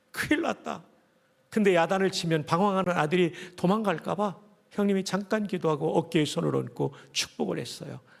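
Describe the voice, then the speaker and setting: This man's voice is high in pitch. He speaks at a moderate pace with ordinary pitch variation. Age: 60s. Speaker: pastor. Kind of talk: sermon.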